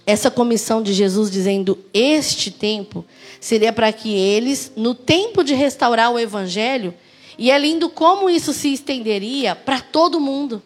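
A woman with a Brazilian Portuguese accent preaching a sermon, full of rhetorical questions and lively personal stories. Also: fairly high pitch, moderate pace.

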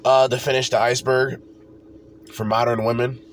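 A man's voice: medium pitch, flat delivery, normal speed, slight background noise. A man hosting his own podcast, stuffed up from a cold, talking in a loose, rambling way and swearing casually. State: congested from a cold. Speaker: podcast host. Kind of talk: casual solo podcast talk.

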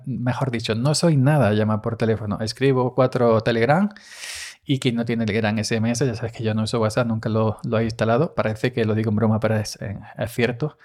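A man's voice: mid-range voice, darkish tone. A man hosting a casual monologue podcast, talking in a rambling, chatty way and often correcting himself. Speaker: podcast host and olive farm worker. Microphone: studio microphone.

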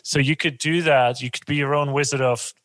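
A man hosting a casual conversation, talking quickly, asking follow-up questions and making joking asides. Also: medium pitch, fairly even intonation, fairly bright tone, no echo.

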